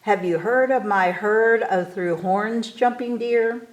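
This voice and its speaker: A woman reading a rhyming picture book aloud to children in an expressive, theatrical way, stretching key words for emphasis. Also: mid-range voice, slow, rough recording. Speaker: story time reader.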